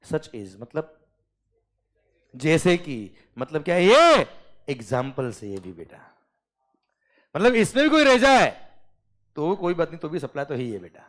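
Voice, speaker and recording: An Indian-accented male teacher lecturing a class, his voice slightly high and swinging widely in pitch. He reads out lines slowly, word by word, then explains them at speed. He keeps checking in with his students. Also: big pitch swings, fairly bright tone. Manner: checks understanding often, calls students "beta" and "sir".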